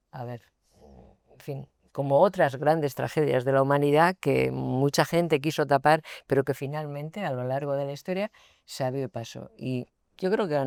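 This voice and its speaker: In a dry, close recording with no echo and a silent background, a woman speaks at a moderate pace with a very deep, low pitch and ordinary pitch variation. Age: 70s. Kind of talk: panel discussion.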